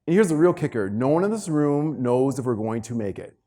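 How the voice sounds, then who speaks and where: Male keynote speaker, motivational storyteller, highly animated pitch, emphatic delivery, slips into acted-out dialogue. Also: a little fast. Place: live talk before an audience.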